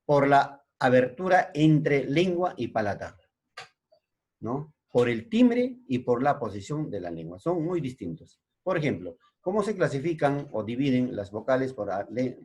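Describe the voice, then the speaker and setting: A middle-aged male secondary school teacher with a Peruvian Spanish accent gives a slow classroom lesson. He keeps checking in with his pupils. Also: medium pitch, very animated, darkish tone. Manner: slow, explanatory, frequent checking tags.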